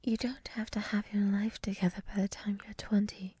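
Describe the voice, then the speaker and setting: A woman playing a gentle, wise monster lady in an ASMR roleplay, whispering softly in a soothing, reflective, encouraging way, close to the mic. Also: medium pitch, flat delivery, moderate pace, no room sound. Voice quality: soft, breathy whisper. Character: gentle, wise monster woman with many eyes, hotel resident. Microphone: close mic, dry.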